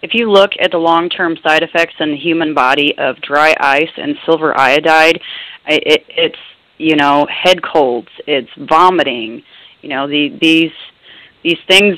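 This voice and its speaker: At a fairly slow pace, a woman speaks in a very deep, low voice with a bright, sharp tone and ordinary pitch variation. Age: 40s. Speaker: caller.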